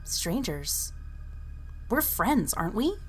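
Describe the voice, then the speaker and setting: An actress playing an intense, defensive and protective young waitress in an audio drama, speaking bluntly and insistently. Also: female voice, medium pitch, big pitch swings, slow pace, faint music behind. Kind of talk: animated audio drama acting.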